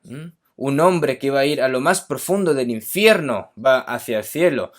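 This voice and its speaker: A man's voice: mid-range voice, animated, normal speed. A man from Korea preaching a sermon emphatically, often checking in with his listeners.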